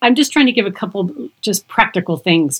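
A woman's voice, dry and close with no echo, in a very clean recording with a silent background. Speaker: nurse and sex educator. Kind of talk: interview. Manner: warm, steady.

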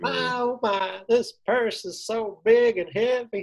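Using a put-on character voice in a Southern US accent, the speaker talks at a very slow pace and a fairly high pitch. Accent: southern American. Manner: exaggerated, put-on.

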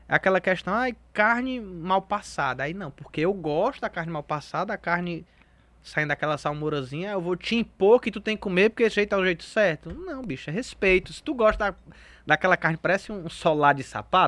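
With a Cearense accent, a man talks at a fairly quick pace in a high pitch, his bright, sharp tone carrying lively intonation and big swings in loudness over a very clean recording with a silent background. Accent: Cearense Northeastern Brazilian Portuguese. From Ceará, Brazil. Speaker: reality cooking show contestant, lawyer. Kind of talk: casual interview.

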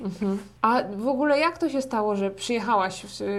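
A woman's voice over noticeable background noise. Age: 20s. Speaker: podcast host, Polish teacher. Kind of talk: casual chat.

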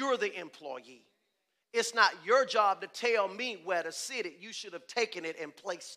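A man projects his voice at a high pitch, with a bright, sharp, animated tone and lively intonation. His loudness swings widely while he keeps a moderate pace. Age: 50s. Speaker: pastor. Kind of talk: sermon.

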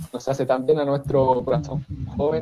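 At a moderate pace, the speaker uses a plain, everyday voice. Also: man. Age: 20s. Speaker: radio panelist. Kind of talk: casual chat. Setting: video call.

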